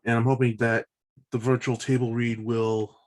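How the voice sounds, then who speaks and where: A man in his thirties chatting casually on a video call, halting and often repeating himself. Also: medium pitch, flat delivery. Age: 30s. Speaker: participant in a virtual table read. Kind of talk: casual chat before a script read.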